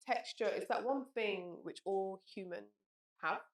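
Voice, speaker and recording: A woman's voice: medium pitch, measured pace. A female jeweller in an interview, speaking hesitantly and searching for words with many likes and ums. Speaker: jeweller, guest. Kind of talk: casual interview talk. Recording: roomy echo.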